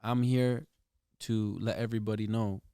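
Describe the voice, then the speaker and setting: A man with a smooth, clear voice recorded close and dry. He talks casually as a guest artist in an interview, slipping between Spanish and English. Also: lowish voice, fairly even intonation, a little slow, warm tone, dry recording. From Toronto, Canada. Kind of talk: casual bilingual interview chat.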